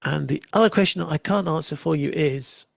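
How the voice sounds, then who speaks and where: A man hosting a live software demo, chatting casually and making wry asides while he waits. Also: on the high side, fairly quick, vocal fry, dry recording, clean studio sound. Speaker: livestream host demoing software.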